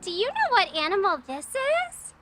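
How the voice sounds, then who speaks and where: A woman hosting a children's lesson, speaking to toddlers in simple phrases with encouraging prompts and pauses for answers. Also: very high-pitched, huge pitch swings. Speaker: children's educational show host. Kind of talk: toddler lesson, talking directly to young children. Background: music.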